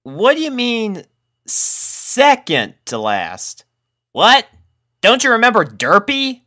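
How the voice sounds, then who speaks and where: No-nonsense country mare for a storybook, raised pitch, bright, folksy drawl, acted by a man. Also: huge pitch swings, slow pace, heavily acted. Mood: surprised.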